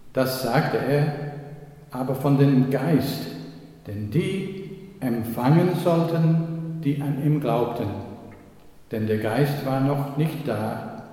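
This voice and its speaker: A man from Australia, giving a sermon as a pastor in slow, measured speech with occasional slips. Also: on the high side, dark tone. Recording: echoey church hall, long reverb.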